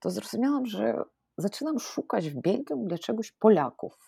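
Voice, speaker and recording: In a dry, close sound with no echo, a woman speaks in a dark, mellow tone with vocal fry. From Nagorno-Karabakh, raised in Kharkiv, Ukraine. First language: Ukrainian or Russian (speaking Polish). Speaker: theatre director. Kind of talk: casual interview chat. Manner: halting, code-switching between Polish and Ukrainian.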